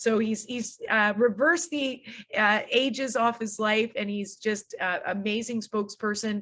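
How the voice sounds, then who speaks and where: Fairly slow, fairly even delivery from a woman with a normal speaking voice and fairly high pitch. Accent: Canadian. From Canada. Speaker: wellness coach. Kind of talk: workplace presentation.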